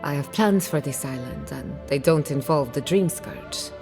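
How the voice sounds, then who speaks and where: An actress playing a proud, sharp-tongued outcast woman scholar in dramatic video game dialogue, articulate, assertive and wry. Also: sits low, lively intonation, moderate pace, over music. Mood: determined.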